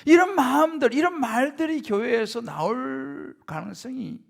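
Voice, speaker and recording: In a church sanctuary, a middle-aged man serving as senior pastor preaches with an extremely high, animated, creaky voice at a measured pace. He keeps things conversational, frequently turning to the congregation with rhetorical questions.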